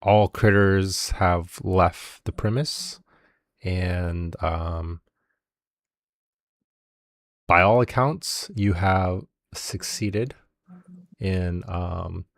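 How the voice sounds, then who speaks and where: Slow, deep-voiced male game master, halting narration. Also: fairly even intonation, vocal fry, no echo, studio quality. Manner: halting, many ums.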